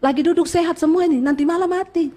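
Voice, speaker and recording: High-voiced woman preaching a lively sermon. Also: fast talker. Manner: lively preaching, addressing the congregation as "saudara". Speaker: pastor.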